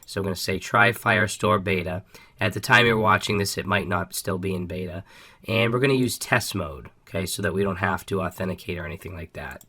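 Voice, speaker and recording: Upbeat man with a bright, slightly raspy voice. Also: deep voice, fairly quick. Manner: upbeat, casual, frequent ums and restarts. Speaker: coding tutorial host. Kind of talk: screen-recorded coding walkthrough.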